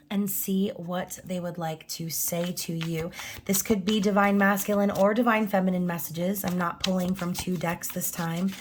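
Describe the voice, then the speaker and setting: Woman, hoarse and raspy, giving a chatty, loose tarot reading full of "right?" asides. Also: medium pitch, slight background noise. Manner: chatty, frequent "okay?" and "right?" tags, casual swearing. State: hoarse, scratchy voice. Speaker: tarot reader.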